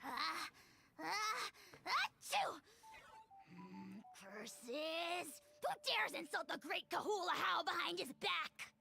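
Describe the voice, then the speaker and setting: A woman's voice: extremely high pitch, very animated, slow pace, vocal fry, sharp tone, full character voice. A woman voicing a tiny, arrogant, foul-tempered dragon lord in a video game, pompous and insulting. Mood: haughty, irritated.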